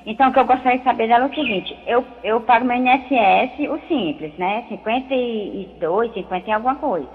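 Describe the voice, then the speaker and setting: Woman in her 50s on the phone, tinny line, bit high, keeps repeating her question. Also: lively intonation, a little fast, hardly any pauses, breathy edge. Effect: over the phone. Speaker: caller.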